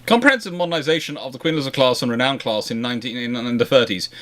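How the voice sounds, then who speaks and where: A man's voice: mid-range voice, very fast, bright, forceful tone. A man hosting a casual history question-and-answer chat, rambling and often circling back to rephrase himself. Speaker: host answering viewer questions.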